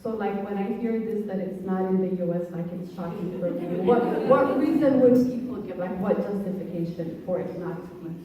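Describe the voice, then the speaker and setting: A woman asks an earnest, puzzled question from the audience. Her voice is dark and mellow. It sounds far away in a long-ringing church hall. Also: mid-range voice, fairly quick, hardly any pauses, slight background noise. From Ethiopia. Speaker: audience member asking a question. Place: church hall at a public meeting. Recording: roomy hall, mic far off.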